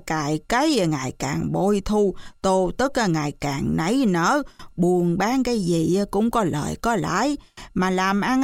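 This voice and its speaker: A woman's voice: medium pitch, no room sound, clean studio sound. A woman voicing a rambling old villager. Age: older. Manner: hesitant, full of drawn-out fillers.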